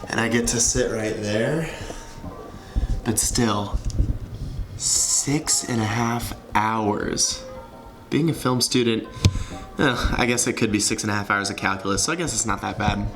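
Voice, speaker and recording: Low-voiced young man vlogging casually. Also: normal speed, over music, rough recording. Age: 20s. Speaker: student athlete vlogger. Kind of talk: casual vlog to camera.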